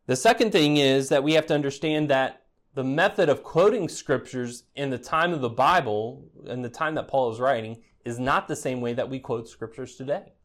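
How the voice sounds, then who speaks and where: Conversational pastor preaching a sermon. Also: male voice, mid-range voice, normal speed. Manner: conversational preaching with rhetorical "right?" asides. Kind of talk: expository sermon.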